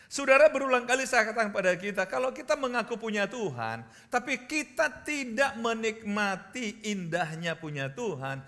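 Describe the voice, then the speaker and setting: A man with an Indonesian accent preaches a sermon in a high, bright voice. He swings from ringing proclamation to hushed, intimate storytelling, and his pitch rises and falls all over. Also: sing-song, normal speed, in a large hall. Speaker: pastor.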